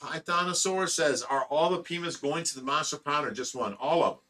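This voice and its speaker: A man's voice: fairly high pitch, brisk, pushed and bright, recorded from a distance. A man hosting a casual livestream, reading chat messages aloud and laughing often with his co-host. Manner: laughs often, jokey banter. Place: indoors at a fish rescue.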